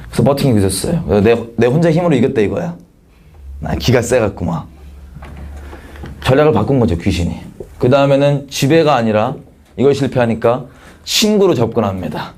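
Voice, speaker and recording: A man's voice: medium pitch, expressive, brisk, long pauses, a little mellow. A man giving a missionary testimony sermon, telling his story in a frank, colloquial way and acting out the voices he quotes. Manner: frank, colloquial, self-mocking.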